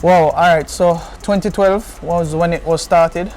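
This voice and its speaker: A man's voice: on the high side, fairly even intonation, unhurried, darkish tone, a little hiss or hum. A man from Jamaica with a Jamaican accent, chatting casually in patois-flecked English as an interview guest. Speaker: interview guest, car content creator.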